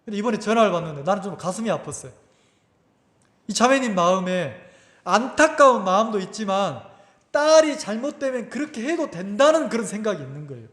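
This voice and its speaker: A male pastor preaches in a high, swooping voice. He keeps asking the congregation questions. His voice rings with a long reverb through the church hall. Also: fairly quick. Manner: animated, asks the congregation questions, acts out quotes. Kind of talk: sermon. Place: church sanctuary.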